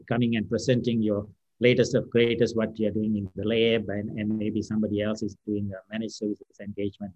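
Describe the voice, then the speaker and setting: A low-pitched man whose English is a third language talks through an unscripted podcast answer, full of ums, uhs and restarted phrases. The sound is dry and slightly muffled, like a remote call. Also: warm tone, no echo. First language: non-English first language. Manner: hesitant, many fillers and restarts. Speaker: company founder and CEO, guest.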